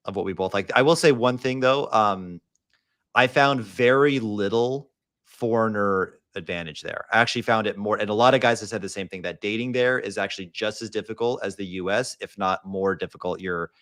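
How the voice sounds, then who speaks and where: A man's voice: fairly low pitch, a little fast, a bit bright, dry recording, studio quality. A man hosting a casual livestream, talking in blunt, slangy bro speak with some swearing. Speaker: host of a livestream show.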